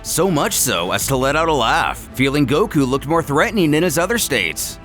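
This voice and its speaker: Guy telling an action story, theatrical and super lively pitch, music behind him. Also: normal speed. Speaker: narrator. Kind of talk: dramatic scripted story narration.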